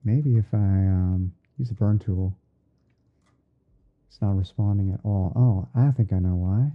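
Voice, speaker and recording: Deep voiced guy doing asmr stream, slowly talking himself thru edits, sounds muffled like over a phone. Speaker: streamer hosting a roleplay. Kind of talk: ASMR livestream, narrating photo editing step by step. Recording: muffled phone-like band-limited audio.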